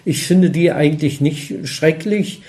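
A man interviewing a guest in a relaxed conversation, speaking in a thoughtful, measured way. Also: fairly high pitch. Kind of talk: casual interview talk.

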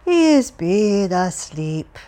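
A woman's voice: mid-range voice, very animated, extremely slow, warm tone. A woman reading an audiobook, voicing a cheerful, chatty elderly man who rambles and stumbles over his words. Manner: rambling, stumbling, relentlessly upbeat.

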